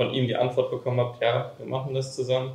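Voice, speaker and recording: A somewhat breathy man's voice at medium pitch, monotone and flat, at a very fast pace, with audible room echo. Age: 20s. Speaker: online retail entrepreneur. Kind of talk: interview. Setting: host's villa.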